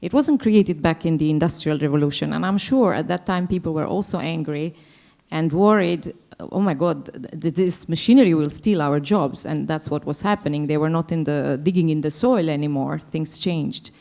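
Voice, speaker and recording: Low gravelly woman. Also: normal speed, warm tone. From Croatia. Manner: thoughtful, hesitant with many fillers. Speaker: panelist, dance company director. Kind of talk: panel discussion remarks.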